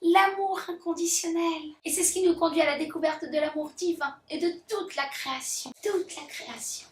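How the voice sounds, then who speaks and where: A woman voicing a gushing, syrupy female heart chakra spirit who talks in a soft, preachy, loving way. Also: very high-pitched, normal speed, far from the mic, a little hiss or hum, pitched above the performer's own voice. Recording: roomy echo.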